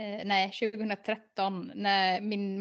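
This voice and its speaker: A woman's medium-pitched, flat, monotone voice over a quiet background. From Småland, Sweden (near Halland border). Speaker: accountant, business owner. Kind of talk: casual interview.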